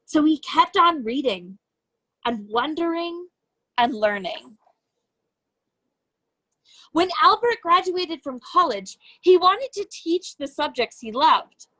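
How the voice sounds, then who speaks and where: A woman reading a children's storybook aloud as an educator, with expressive, deliberate phrasing and emphasis on key words. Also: sits high, rough recording.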